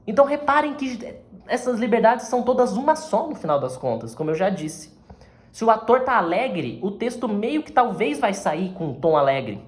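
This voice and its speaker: Brazilian male actor-teacher, relaxed explainer, keeps checking in with tag questions. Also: sits high, moderate pace. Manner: conversational, often ends phrases with tag questions. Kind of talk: casual explanatory lesson.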